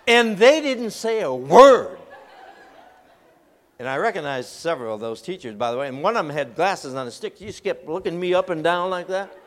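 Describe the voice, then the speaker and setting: A man, preaching and telling a funny story with lively delivery. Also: high-pitched, normal speed, long reverb tail. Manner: animated storyteller, acts out voices and laughs. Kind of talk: humorous sermon illustration.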